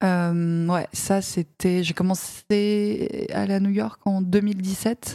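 Medium-pitched woman's voice with a dark, mellow tone and fairly even intonation, in a dry, close sound with no echo, on a very clean recording with a silent background. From France, Paris. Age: 20s. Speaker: fashion model. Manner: halting, many fillers.

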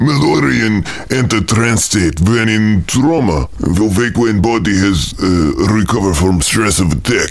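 Putting on a gruff character voice, a man talks at a fairly low pitch and fairly slow pace with hardly any pauses, over noticeable background noise. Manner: clipped broken English, gruff.

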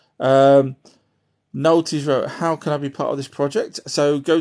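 A man with a British accent talks at a fairly slow pace against a quiet background. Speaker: live-stream content creator and film maker. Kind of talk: live chat. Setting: live stream at home.

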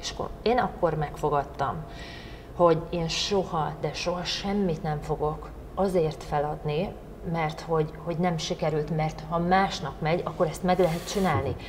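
A woman's fairly low voice with fairly even intonation at a fairly slow pace, amid noticeable background noise and audible room echo. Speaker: author and entrepreneur. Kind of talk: interview.

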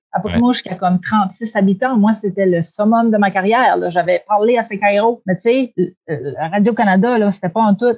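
A woman speaks at a moderate pace with a medium pitch and ordinary pitch variation. Her voice is somewhat breathy. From Acadian New Brunswick, Shippagan. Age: 30s. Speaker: multidisciplinary artist and comedian. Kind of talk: casual interview.

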